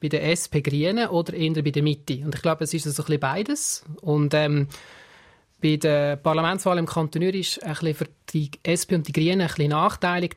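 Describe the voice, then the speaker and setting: Higher-pitched man with a Swiss German accent. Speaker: political scientist interviewed as analyst. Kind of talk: radio interview analysis.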